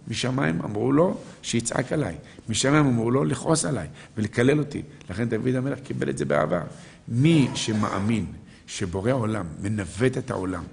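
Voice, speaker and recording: A man's voice: mid-range voice, vocal fry, breathy edge. A man, a rabbi, giving a live sermon, posing rhetorical questions to his listeners and answering them, quoting verses and sages.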